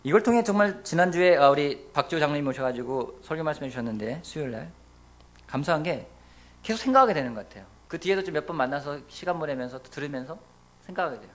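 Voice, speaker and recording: A male pastor preaching a sermon, swinging between loud exclamations and hushed near-whispers. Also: on the high side, lively intonation, fast. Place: church sanctuary.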